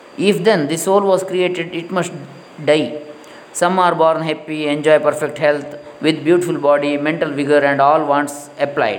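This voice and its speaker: This man speaks with a Kannada accent at a moderate pace, his pitch fairly high and his intonation fairly even. Noticeable background noise runs under his voice. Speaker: reader of religious texts. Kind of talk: reading aloud.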